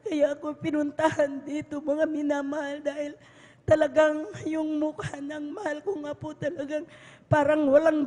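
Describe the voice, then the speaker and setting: A woman's voice: high-pitched, darkish tone. Tearful older woman testifying in church. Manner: tearful, pleading, repeats endearing address to congregation. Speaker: church member giving testimony. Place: church hall. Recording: long reverb of church hall.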